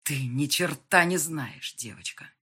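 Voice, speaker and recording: A woman voicing a domineering, cold and menacing middle-aged man in an audiobook, slow and contemptuous. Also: low-pitched, animated, pushed and bright, slightly rough, exaggerated voice. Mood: furious. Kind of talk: audiobook character voice.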